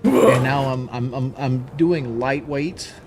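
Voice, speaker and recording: A man's voice: mid-range voice, slow pace, a little mellow. A man chatting casually on a live stream, out of breath after a workout, rambling and repeating himself as he talks.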